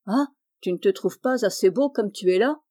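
A woman's voice: mid-range voice, normal speed, dark tone, lightly acted. A woman voicing a blunt older male farmer in a storybook reading, speaking frankly and plainly.

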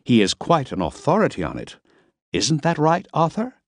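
A man's voice: on the high side, huge pitch swings, normal speed, husky, no room sound, clean studio sound, voice pushed up, full character voice. A man voicing a composed, noncommittal woman in an audiobook. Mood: cool.

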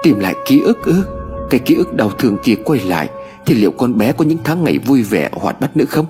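A man's voice: medium pitch, big pitch swings, fairly quick, dark tone, soft background music, natural voice. A man voicing an anxious middle-aged mother who soothes her frightened daughter. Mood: soothing. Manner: soothing, worried.

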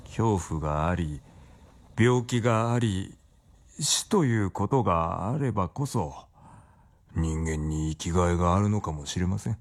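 ラジオドラマの科学者, 抑揚が大きい, しみじみした語り. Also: male voice, low voice, expressive, unhurried, full character voice. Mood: reflective. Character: calm older male physiologist, wistful. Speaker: scientist in the story. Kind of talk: radio drama acting.

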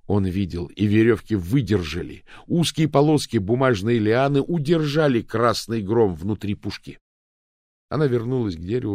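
A man reading an adventure novel aloud as narrator, expressive and raising his voice for the characters' shouts. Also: fairly low pitch, dry recording, clean studio sound. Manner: expressive, raises voice for shouted lines. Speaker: audiobook narrator.

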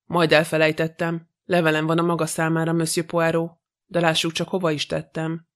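A man reading a chatty, smug old judge. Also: a little high. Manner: flattering and long-winded. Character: chatty, self-satisfied older male judge.

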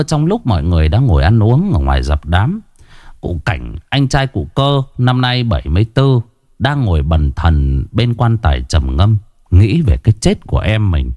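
A man narrating a horror story in a dramatic, expressive storytelling style. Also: fairly low pitch, no echo.

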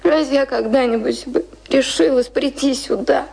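A woman acting in a Russian radio play as a remorseful, lovestruck woman, imploring with drawn-out emotion. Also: high voice, gravelly, a little mellow, breathy edge, exaggerated voice, low-quality recording. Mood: pleading, tender. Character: pleading, remorseful woman desperately in love.

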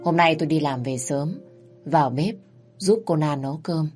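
A woman narrating a first-person story in a calm, measured way, over faint background music. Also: low voice, slightly rough.

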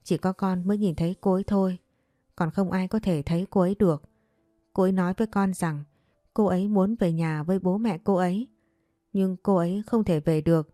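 A woman's voice: fairly low pitch, steady tone, fairly quick, mellow, no room sound, studio quality, faint music behind, close to an everyday voice. A woman voicing an earnest young man of twenty-seven who is haunted by a ghost, in a spoken ghost story.

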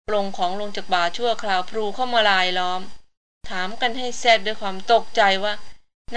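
A woman narrates an adventure novel in a steady, measured storytelling voice. Her pitch sits in the middle, and a faint hiss runs under the recording. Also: poor audio. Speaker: audiobook narrator. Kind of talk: audiobook reading of an adventure novel.

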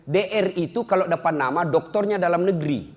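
A man preaching, giving a humorous religious lecture as an animated storyteller who jokes and chuckles often. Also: high-pitched, a little fast, in a large hall.

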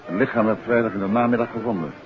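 An actor playing a courteous, probing gentleman detective in a 1950s Dutch radio play, genial and a little hesitant. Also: fairly low pitch, rapid-fire, crowd noise, natural voice. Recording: muffled old radio recording, music behind.

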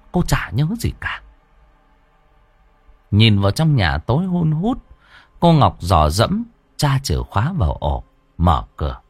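A man's voice: a little mellow, slightly rough, no room sound. A man narrating a ghost story dramatically. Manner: dramatic, swinging pitch.

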